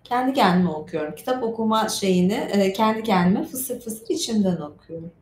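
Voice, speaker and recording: Reading stories aloud on her livestream, this host breaks in with rambling, chatty, informal commentary. She speaks a little fast in an expressive, mid-range voice, with the room echoing and some faint noise behind her.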